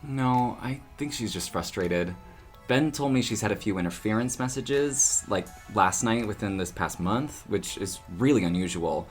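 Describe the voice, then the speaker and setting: A man playing a friendly, easygoing, chatty townsperson in an audio drama, talking in a casual, animated way. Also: fairly low pitch, moderate pace, faint music behind, natural voice. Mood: confiding.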